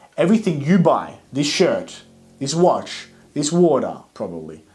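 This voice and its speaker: Speaking in an Australian accent, a man has a high pitch. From Greek Australian. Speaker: podcast host. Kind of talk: casual podcast talk to camera.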